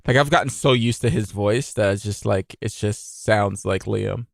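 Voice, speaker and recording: A man co-hosting a podcast in casual chat, throwing in quick joking exclamations. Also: on the low side, vocal fry, no room sound, clean studio sound. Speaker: podcast co-host.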